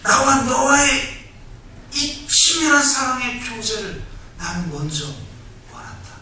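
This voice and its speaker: A man voicing God, speaking to a pastor in a slow, hushed, intimate way. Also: very high-pitched, slight background noise, full character voice. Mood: tender. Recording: echoey hall, far from mic.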